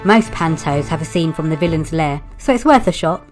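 Exasperated storyteller played by a woman, lively swooping delivery, comic asides, pantomime, light music behind. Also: low voice, brisk. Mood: improvising. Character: exasperated pantomime narrator improvising to save the show.

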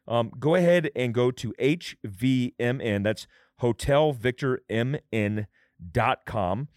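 A man's voice: mid-range voice, dry recording. Male host, ad break, casual, personal, dry sound. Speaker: host reading a sponsor break. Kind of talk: casual ad read.

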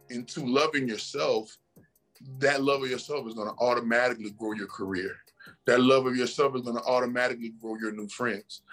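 A man's voice: mid-range voice, a bit bright. A man talking as a podcast guest, preachy and emphatic, often repeating himself and asking "right?". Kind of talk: casual motivational talk.

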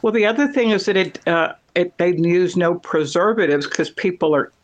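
A man's voice: high-pitched, moderate pace. A man chatting casually, rambling through stories with many fillers. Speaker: conversation partner. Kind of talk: casual chat.

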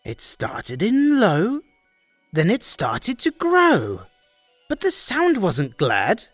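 A woman narrating a rhyming holiday story in an unhurried, sing-song voice whose pitch rises and falls dramatically. The sound is close and dry, with faint music playing behind her. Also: huge pitch swings, no room sound. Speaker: host and narrator.

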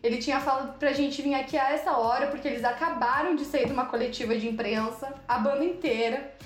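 A woman telling a story in casual chat, animated, breaking into excited squeals as she relives moments. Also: sits high, fast talker, roomy sound, faint music behind.

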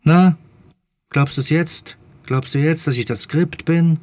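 An actor playing a talking script in an audio drama, a smug, bossy, all-knowing narrator with a booming low voice and a condescending, exasperated manner. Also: male voice, takes it slowly, a little mellow, no echo, clean studio sound. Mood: smug, commanding.

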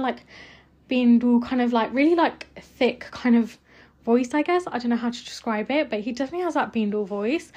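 A woman's voice: fairly high pitch, darkish tone. A young woman, reviewing music albums in a casual, chatty way, full of "um" and "like". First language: Punjabi not first language. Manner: chatty, many fillers like "um" and "like".

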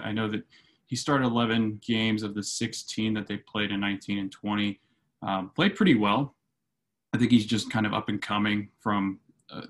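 Male podcast co-host, lowish voice, loose and unhurried with plenty of ums; casual sports talk. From Florida. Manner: relaxed, hesitant with many fillers.

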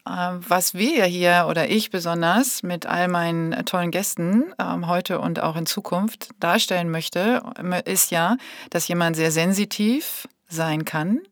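Female podcast host, slightly low voice, dry close recording, conversational interviewing. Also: a little slow, dry recording. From Hamburg, Germany. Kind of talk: casual interview chat.

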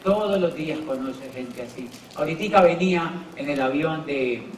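A Colombian man with a Colombian accent giving an animated seminar talk on network marketing, chatty and acting out dialogue. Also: on the high side, normal speed, a little hiss or hum. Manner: lively, chatty, acts out dialogue. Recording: roomy, distant mic, faint ambience.

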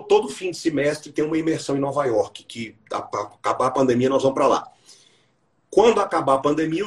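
A man who teaches English, hosting a live podcast chat and explaining his method with lively stories. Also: a little high. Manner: explanatory, enthusiastic storytelling.

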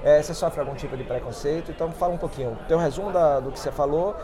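A man's voice: on the high side, fast talker. A man hosting a podcast interview, talking in a chatty, informal way with restarts. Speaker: podcast host. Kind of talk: casual interview. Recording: crowd noise behind.

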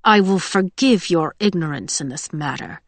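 A woman's voice: fairly low pitch, measured pace, no room sound, natural voice. A woman reader plays a haughty male official in an audiobook. He speaks in a clipped, imperious way with cold menace. The recording is close and dry.

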